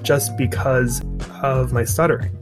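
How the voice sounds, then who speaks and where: A man's voice: mid-range voice, steady tone, a little slow. A man in his twenties, a speech-language pathologist, telling a personal story; he stutters, with blocks and repeated sounds. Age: 20s. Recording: with guitar music behind.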